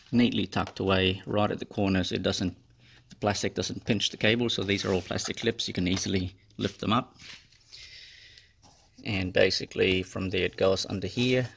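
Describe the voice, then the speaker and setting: A man's voice: fairly low pitch, vocal fry, a little hiss or hum. A man presenting a casual hands-on how-to tutorial. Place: in and around a car.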